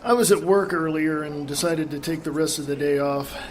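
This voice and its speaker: An actor playing a reflective, contented middle-aged family man in a radio theatre monologue, measured and pensive with dramatic pauses. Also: fairly high pitch, lightly acted, rough recording. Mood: candid, thoughtful.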